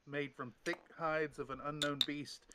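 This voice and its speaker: A man's voice: on the high side, steady tone, a little slow, background noise. A man running a tabletop game as game master, rambling with restarts and fillers.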